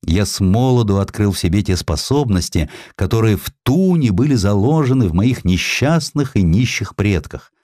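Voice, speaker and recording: A man's voice: lowish voice, expressive, moderate pace, hardly any pauses, darkish tone, dry recording, clean studio sound. A man voicing an aging, stubborn Russian scholar in dramatised audiobook dialogue, with an emphatic, declamatory manner. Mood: reflective.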